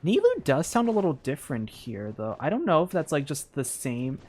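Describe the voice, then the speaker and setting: Guy streamer chatting casually over a game, rambly, pitch jumps all around. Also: huge pitch swings, brisk, darkish tone. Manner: rambling, thinking aloud. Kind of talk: casual live gameplay commentary.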